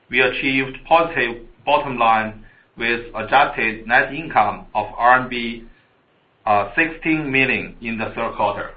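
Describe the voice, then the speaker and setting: A man formally reading a scripted financial report as a company finance chief, halting over the figures. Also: medium pitch. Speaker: chief financial officer on an earnings call. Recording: dull, echoey conference call audio.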